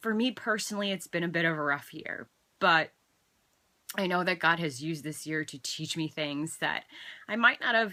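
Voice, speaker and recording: A woman's fairly low voice with a bright, sharp tone, ordinary pitch variation and a moderate pace. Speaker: fitness coach and faith vlogger. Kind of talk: personal vlog testimony. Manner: halting.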